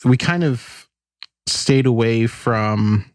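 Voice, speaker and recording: A man's voice: mid-range voice, takes it slowly, no room sound, studio quality. A man co-hosting a podcast in casual chat, hesitant and full of ums and self-corrections. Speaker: podcast co-host.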